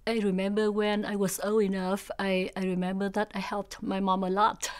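A woman in her sixties from South Vietnam with a Vietnamese accent, recalling family history in an interview, halting as she searches for words. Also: medium pitch, level tone, clean tone. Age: 60s. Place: indoor studio with backdrop.

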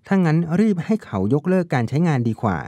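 A smooth-talking young man, as a narrator plays him, calm and offhand, lies sliding out with ease. The voice is dark and mellow, recorded close and dry. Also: fairly high pitch, quick pace, no echo, voice pushed up.

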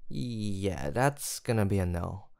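A man voicing a gentle, protective man who talks softly and teasingly to a frightened stray he has rescued, in a close audio roleplay. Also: sits low, expressive, slow, vocal fry, clear, resonant tone, no echo, exaggerated voice. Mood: reassuring. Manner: soft teasing, coaxing and reassuring.

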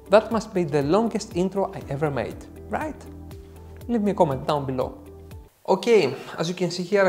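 A man's voice: on the high side, darkish tone. A man in his thirties with a Greek accent hosts a photo-editing tutorial, talking in a jokey, self-deprecating way with theatrical emphasis. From Greece. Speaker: tutorial host.

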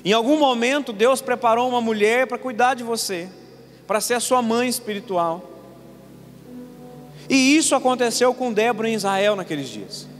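High-voiced young pastor preaching in church. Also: male voice, animated, moderate pace, soft background music. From Paraná, Brazil. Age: 20s. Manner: storytelling with rhetorical questions to the congregation. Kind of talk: sermon. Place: church sanctuary. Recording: long church reverb, faint room ambience.

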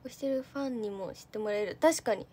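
A woman's voice: fairly high pitch, fast talker, warm tone, slightly rough. A young woman, an idol trainee, chatting casually on a livestream, reading out viewer comments. She is talkative and giggly and uses a lot of fillers.

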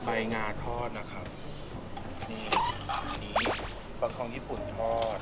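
A man's voice: medium pitch, lively intonation, measured pace, heavy background noise. A young man hosting a casual food review vlog, chatty and upbeat, filming himself at arm's length in a buffet restaurant. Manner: chatty, upbeat, addresses viewers directly. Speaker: food vlogger. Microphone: handheld camera at arm's length.

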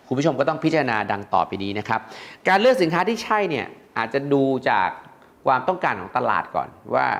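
A man's voice: mid-range voice, fairly bright tone. Male host, middle-aged, conversational instructor explaining to viewers step by step. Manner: chatty, explaining point by point with polite particles. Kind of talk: educational talk to viewers.

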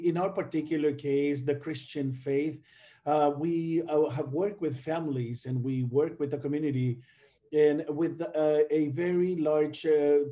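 A middle-aged man from the Dominican Republic giving an online conference talk over a video call, speaking haltingly with many fillers and restarts. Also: a little high, mellow. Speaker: conference panelist.

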